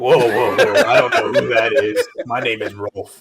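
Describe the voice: Moderate pace in a raspy, put-on character voice. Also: man.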